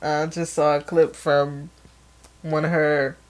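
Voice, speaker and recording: A woman's voice: sits low, takes it slowly. A young woman co-hosting a podcast, chatting playfully and acting out little quotes as she tells stories. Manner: playful, animated storytelling with acted-out quotes. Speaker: podcast co-host. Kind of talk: casual chat.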